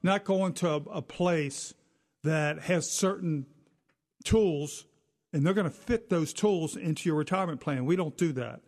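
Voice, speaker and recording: A man's voice: a little high, measured pace, darkish tone, big-room sound. A man co-hosting a financial advice talk, stressing key words with emphasis. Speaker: financial advisor co-host.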